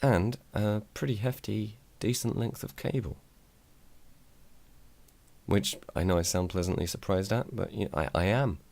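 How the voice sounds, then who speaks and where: Low-voiced bloke doing a mic review, dry jokes, dead dry room. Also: male voice, measured pace, creaky, pauses often, darkish tone, no echo. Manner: dry, self-deprecating humour. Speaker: tech reviewer. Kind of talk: casual product review. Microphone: desk microphone on a mic arm.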